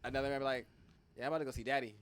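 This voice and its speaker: A man co-hosting a podcast, calmly explaining his view in a casual chat. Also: medium pitch, rapid-fire, clean tone. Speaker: podcast co-host.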